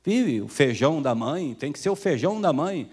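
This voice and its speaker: This pastor's fairly high, sing-song voice has a darkish tone and a breathy edge, moving at a moderate pace. With a Brazilian Portuguese accent he delivers a sermon conversationally, calling the congregation "irmão" and acting out quoted voices.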